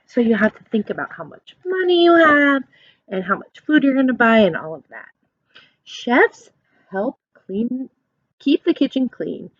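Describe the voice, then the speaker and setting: A woman doing a children's read-aloud as a teacher, explaining things in simple questions and animated, encouraging asides. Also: on the high side, dry recording, muffled recording.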